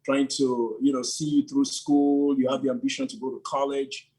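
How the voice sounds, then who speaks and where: Lively man, laughing often. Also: mid-range voice, moderate pace, rough recording. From Nigeria. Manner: enthusiastic, laughs often, many fillers like "you know". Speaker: church leader. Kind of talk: animated interview answers.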